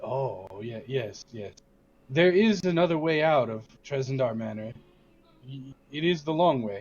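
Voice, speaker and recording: A man's put-on character voice at a moderate pace. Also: medium pitch for a man. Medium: actual play. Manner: oily, ingratiating.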